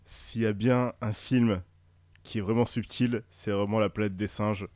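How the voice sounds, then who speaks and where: A man's voice: lowish voice, fairly even intonation, measured pace, a little mellow, dry recording. A man co-hosting a podcast, trading dry, teasing, sarcastic remarks in a casual film chat. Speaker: podcast co-host.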